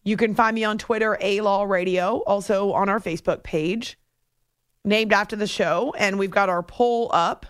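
A woman hosting a sports radio show in a chatty, animated monologue from a studio. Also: medium pitch, moderate pace, smooth, no echo. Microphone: close studio microphone.

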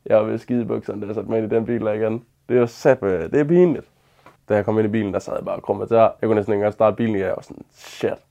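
A man's voice: on the low side, vocal fry, dark tone, highs cut off. An eighteen-year-old man from northern Denmark telling an embarrassing story casually, self-deprecating and rambling with many fillers. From Northern Jutland, Denmark. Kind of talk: casual anecdote.

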